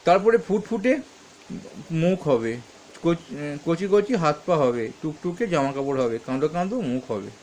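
A man's voice: a little high, animated, unhurried, darkish tone, a little hiss or hum. A man teaching, reading questions aloud and answering them step by step, stopping often to correct himself. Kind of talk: explaining textbook answers.

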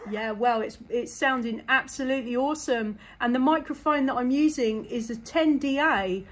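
A woman's voice: fairly high pitch, moderate pace. A woman with an English accent chatting casually and enthusiastically as a CB radio operator. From England. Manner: enthusiastic, effusive.

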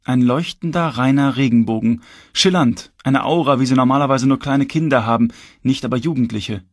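A man reading an audiobook in measured, tense first-person narration. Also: medium pitch, dry recording, clean studio sound. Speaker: audiobook reader.

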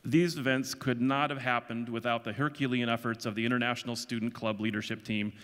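A man's voice: mid-range voice, level tone, brisk, fairly bright tone. A middle-aged man making announcements from a stage as host of an event. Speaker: international student advisor, event host. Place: large auditorium stage. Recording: echoey hall with audience noise.

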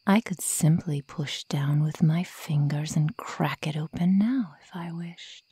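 A woman playing a sadistic female werewolf toying with human prey in a breathy, menacing, mockingly sweet ASMR roleplay whisper. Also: deep voice, unhurried, mellow, dry recording, heavily acted. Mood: soft menace.

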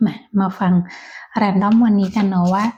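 A woman giving a casual tarot reading to viewers, talking softly and chattily with whispered asides. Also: mid-range voice, steady tone, normal speed, husky. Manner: soft, chatty, with whispered asides and light laughs. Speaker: tarot reader. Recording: dull lo-fi sound.

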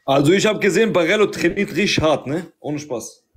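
A man's voice: a little high, expressive, a little fast. A man, chatting casually in street slang.

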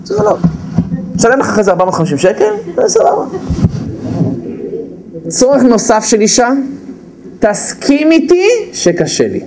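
A man lectures a crowded hall in a lively, high-set voice that swoops widely as he talks. He keeps slipping into quick acted-out lines for husbands and wives and hammers his points by repeating them. The audience is clearly audible around him. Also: a crowd in the background. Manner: animated, acts out spouses' lines in quick put-on voices; repeats key phrases for emphasis. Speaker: lecturer on marriage. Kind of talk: humorous lecture to a live audience. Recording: live audience audible in the background.

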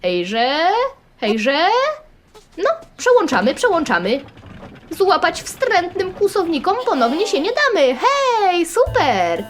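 Excitable high-pitched Polish woman gaming. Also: takes it slowly. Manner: playful and excitable, with sudden squeals and sing-song chants. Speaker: gaming channel host. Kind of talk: playing and narrating a browser game.

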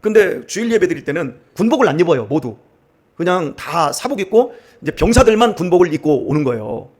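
A man's voice: on the high side, fairly quick. A middle-aged man from central Korea, a pastor giving a sermon in a church, telling stories with humor and acting out the way other people talk. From Chungcheong region, Korea. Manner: animated, acts out dialects and laughs while telling stories. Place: church sanctuary.

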